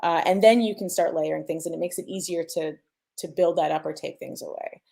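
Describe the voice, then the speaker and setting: Low, creaky-voiced woman explaining her craft. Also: fairly even intonation, brisk, warm tone. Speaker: sound designer sharing mixing advice. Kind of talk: informal panel explanation.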